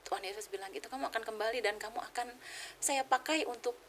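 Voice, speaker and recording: A middle-aged woman rushes through her personal testimony with a slightly high voice. She tells it like a storyteller and acts out the voices of people in her story. Faint background noise sits under the recording. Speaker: guest sharing testimony.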